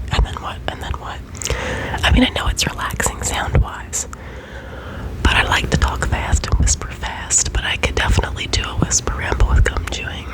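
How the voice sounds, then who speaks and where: Whispering American woman, close-up ASMR ramble. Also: rough recording. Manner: whispering throughout, rambling and chatty. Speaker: ASMR video creator. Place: small room at home, indoors. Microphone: USB condenser microphone held close to the mouth.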